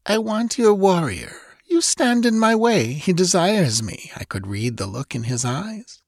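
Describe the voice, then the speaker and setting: A man's voice: high voice, big pitch swings, a little slow, dry recording, pitched above the performer's own voice, heavily acted. A man voicing a cruel, imperious young woman with a cool, haughty, menacing manner in a fantasy audiobook. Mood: haughty, gloating. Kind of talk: dramatised audiobook reading of pulp fantasy.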